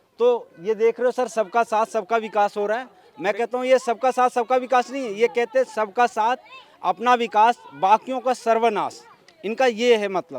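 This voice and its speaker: A man's extremely high voice with fairly even intonation, crowd noise in the background. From Delhi, India. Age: 40s. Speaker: slum resident, driver. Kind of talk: street interview.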